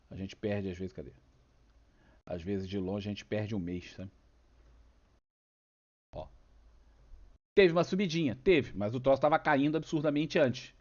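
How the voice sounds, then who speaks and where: Speaking with a Brazilian Portuguese accent, this stock market channel host has a cold and a cough as he casually walks through charts, posing rhetorical question after rhetorical question. His voice sits at medium pitch and is a little mellow, captured in lo-fi audio.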